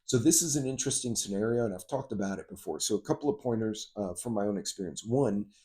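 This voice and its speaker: Low-voiced, mellow middle-aged man, rambling casually. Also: lively intonation, quick pace. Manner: rambling, conversational, frequent asides. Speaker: host of a preparedness and travel channel. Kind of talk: casual informal vlog monologue with advice.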